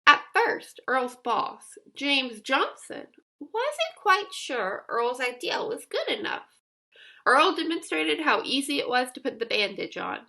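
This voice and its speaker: Female storybook narrator, high and very lively in pitch, expressive scripted read-aloud for children with emphatic delivery. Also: slow, creaky. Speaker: storybook reader.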